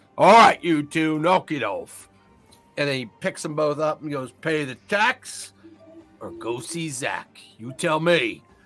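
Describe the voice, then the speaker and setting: Using a gruff, put-on character voice, a man speaks at a fairly slow pace in a fairly high pitch with lively intonation and big swings in loudness, over faint music in the background. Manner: gruff, commanding.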